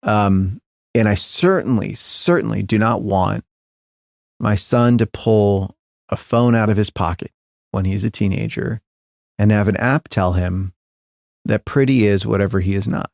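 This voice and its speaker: A middle-aged man speaks as a guest in a conversational interview, his low voice carrying a gravelly texture. He thinks aloud, circling back, hedging and restarting his sentences. The sound is close and dry. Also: unhurried, darkish tone, no echo. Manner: thoughtful, hedging, frequent restarts and fillers. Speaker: podcast guest, tech founder.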